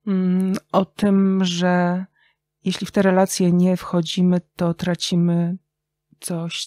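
A woman speaking as an interview guest, reflective and conversational, with thoughtful, halting phrasing and pauses. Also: on the low side, dark tone, no echo. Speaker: interview guest, writer and radio journalist.

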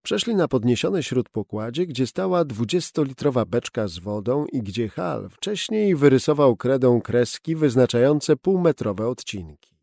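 Brief: male audiobook narrator, warm gravelly voice, dry close studio sound. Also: medium pitch, moderate pace, no room sound. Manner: steady, expressive storytelling. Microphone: close studio mic.

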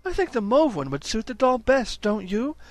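A man's voice: very high voice, big pitch swings, normal speed, no echo, pitched above the performer's own voice. A man putting on a gushing society lady. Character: gushing society wife, fussy and excitable.

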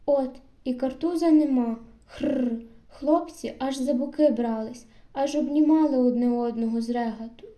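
A woman narrating a literary audiobook story in a measured storytelling manner with steady phrasing. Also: high voice.

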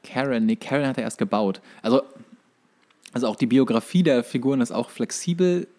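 A man's voice: medium pitch, expressive, fairly quick, a little mellow. A man chatting casually as a podcast co-host, explaining things in a hesitant, searching way.

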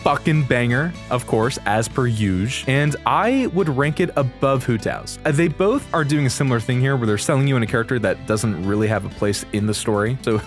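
Animated man gushing over game trailers. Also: mid-range voice. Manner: hyperbolic, casual, heavy swearing. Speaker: video host reacting to game trailers. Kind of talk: excited reaction commentary.

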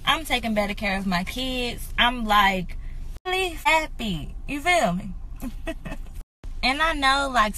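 This is a casual vlog rant from a woman in her 20s who talks right to viewers, chatty and unfiltered, holding her phone as she moves from home to her car. Her medium-pitched voice sounds pushed and bright. Recording quality is poor, with slight noise in the background.

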